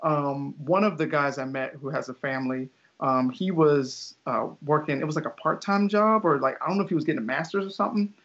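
Young guy rambling in a chat, kinda high voice, lots of likes and ums. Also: brisk, few pauses. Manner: relaxed, rambling, many fillers and restarts. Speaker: interview guest, English teacher in Japan. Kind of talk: casual conversational interview. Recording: dull lo-fi audio.

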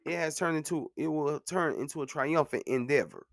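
A man's voice: fairly high pitch, normal speed, vocal fry, no echo. A man in his thirties talking casually and earnestly about his own experience as a podcast host, repeating lines for emphasis and dropping in "man" and "you know what I'm saying.". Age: 30s. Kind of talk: casual monologue.

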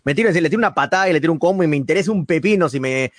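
A man's voice: fairly high pitch, lively intonation, rapid-fire. A man with a Peruvian Spanish accent, co-hosting a sports talk show in heated football commentary, emphatic and indignant. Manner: emphatic, indignant, repeats words.

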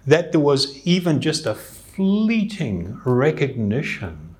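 A man speaking slowly and thoughtfully as a yoga teacher, explaining spiritual ideas in an earnest tone. His voice sits at an ordinary middle pitch, and he breaks into a soft chuckle every so often. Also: sing-song. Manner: reflective, earnest, with occasional chuckles. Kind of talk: spiritual talk.

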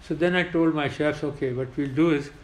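An older man with a South Asian accent, a retired pilot recounting war memories in an interview in a halting, emphatic way. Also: on the high side, reverberant. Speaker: retired air force pilot. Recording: clearly noisy background.

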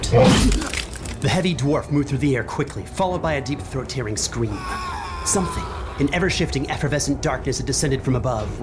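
Male narrator for horror fantasy podcast, theatrical and literary, mid-range voice, clear music bed beneath. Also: mid-range voice. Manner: ornate, theatrical storytelling. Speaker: game master, narrator. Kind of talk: dramatic scripted horror narration.

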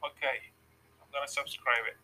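A man's voice: medium pitch, flat delivery, normal speed, sharp tone, low-quality recording. A man chatting as a podcast guest, giving short, hesitant replies. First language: Turkish. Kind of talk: casual chat.

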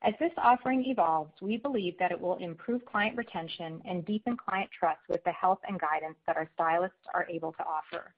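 A woman company executive giving a scripted corporate presentation on an earnings call, in a measured, formal read delivery. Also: on the low side, breathy edge. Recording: phone-like conference call line.

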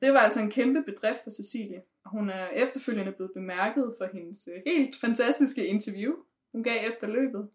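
A woman's voice: mid-range voice, few pauses. A woman host presenting a podcast segment from notes, with the odd filler. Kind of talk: scripted presenting.

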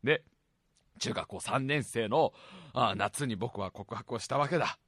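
A man with a hoarse, raspy, strained voice hosting a casual solo radio show in a lively storytelling way. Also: mid-range voice, unhurried, no echo, clean studio sound. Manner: animated, laughs at his own stories. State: strained voice, holding volume down.

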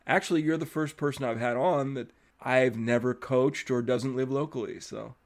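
A man's voice: mid-range voice, steady tone, normal speed. Chatty man hosting a podcast. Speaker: podcast host. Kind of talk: casual interview chat.

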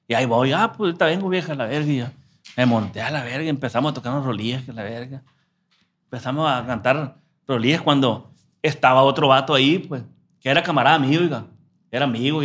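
A man's voice: medium pitch, a bit bright. A man from telling a story in a casual interview, slangy and profane. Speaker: musician guest.

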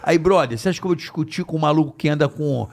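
A man's voice: fairly high pitch, racing, darkish tone. A man hosting a casual podcast chat, enthusiastic and slangy, repeating his phrases. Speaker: podcast host.

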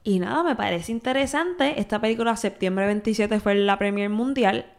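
A woman's voice: medium pitch, moderate pace, creaky. Woman, podcast co-host, chatty and casual, drops English words into her Spanish. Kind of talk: casual chat.

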